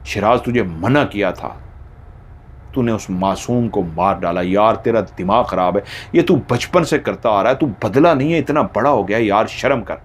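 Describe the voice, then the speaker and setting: A man's voice: lowish voice, moderate pace, a little hiss or hum, lightly acted. A man voicing a young man who reproaches his friends and urges them to stop fighting. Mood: reproachful. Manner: reproachful, urging calm. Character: young man, peacemaker leading the group.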